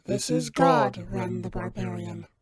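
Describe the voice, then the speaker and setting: A woman's voice: fairly low pitch, measured pace, over a noisy crowd, natural voice. A woman playing an imperious, exasperated God in a comedy skit, solemn in pronouncements but bluntly sarcastic.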